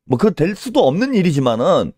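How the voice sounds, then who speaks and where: Man, political commentator, scolding rhetorical questions, wildly swinging pitch, fairly high voice. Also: big pitch swings, quick pace, a little mellow, no room sound, clean studio sound.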